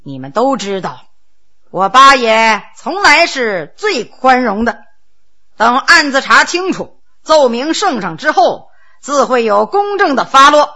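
A woman's voice: high-pitched, sing-song, unhurried, sharp tone, full character voice. A woman doing a stern, stammering Qing prince. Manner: commanding, then flustered and stammering. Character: Qing prince, middle-aged man, stern official turned bewildered.

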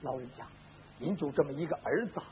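Man doing a fervent young nobleman, earnest and solemn, high voice, tinny lo-fi sound. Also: expressive, fast talker, lightly acted. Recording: lo-fi phone-like band with faint hiss.

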